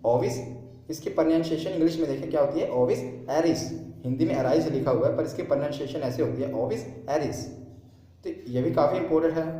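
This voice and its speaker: A man's voice: a little high, mellow. A man teaching an exam-prep lesson, who asks his own questions and repeats the key terms. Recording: very echoey room.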